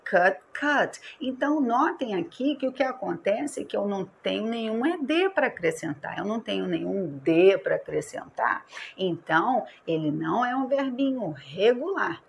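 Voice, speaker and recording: A woman with a Brazilian accent teaching grammar in a patient, questioning way. She poses rhetorical questions and then answers them herself. Her voice carries a gravelly fry, with a faint hiss of noise behind it. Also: medium pitch. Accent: Brazilian Portuguese. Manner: asks rhetorical questions and answers them, stretches key words. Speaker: English teacher. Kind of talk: explaining grammar to students.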